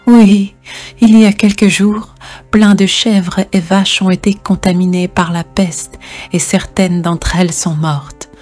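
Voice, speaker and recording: A woman voicing a sober, knowing sow in a cartoon fable, explaining things in a measured way. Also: mid-range voice, little pitch movement, a little mellow, soft background music. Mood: grave, informative. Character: sober, knowing adult female pig advising the herd.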